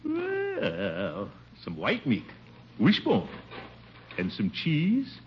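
An actor playing a vain, blustery middle-aged bachelor uncle in a 1950 radio comedy, full of self-satisfied chuckles. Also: male voice, mid-range voice, huge pitch swings, extremely slow, heavily acted. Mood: pompous. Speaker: lead character of a radio sitcom. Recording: scratchy dull old radio broadcast recording.

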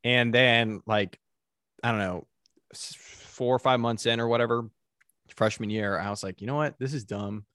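A man's voice: medium pitch, moderate pace, fairly bright tone, no room sound, studio quality. A young man chatting casually about college in a laid-back way, filling his speech with "like". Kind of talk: casual chat.

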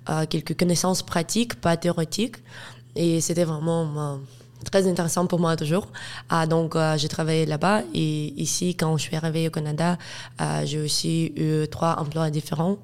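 A woman's voice: low-pitched, darkish tone. An eighteen-year-old woman from Ukraine with a Ukrainian accent, speaking French as a second language in a casual interview, hesitant with many fillers and laughs. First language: Russian and Ukrainian. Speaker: guest, student.

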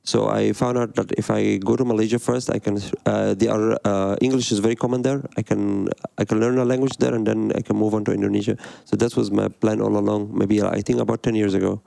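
Gravelly low-voiced man from Egypt. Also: flat delivery, fairly quick, hardly any pauses, warm tone, no room sound. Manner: hesitant, many fillers and restarts. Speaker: guest, design studio director. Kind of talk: conversational interview answers.

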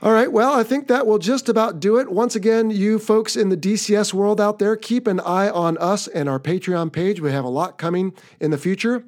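A man's voice: sits high, fairly quick, few pauses, darkish tone. An American man hosting a podcast, chatting casually and upbeat as he wraps up an episode. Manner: upbeat, chatty, wrapping up the show. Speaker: podcast host.

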